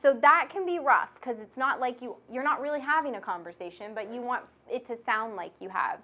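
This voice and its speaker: This woman teaches and hosts a podcast in a casual, instructional way, her nasal voice bubbly and chatty and often breaking into laughter. She sounds a little high-pitched and brisk, and the highs in the audio are cut off.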